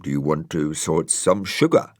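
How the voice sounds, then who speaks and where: A man's voice: very deep voice, moderate pace, a little mellow, no echo. A man voicing a grumpy, vain and sardonic dog in a storybook reading, with a dry, grumbling delivery. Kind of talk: storybook character voice.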